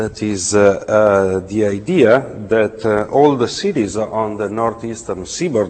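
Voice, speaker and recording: Noticeable background noise sits behind a man speaking at a fairly low pitch with an Italian accent. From Italy. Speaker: geography researcher. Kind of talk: lecture. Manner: halting, many fillers.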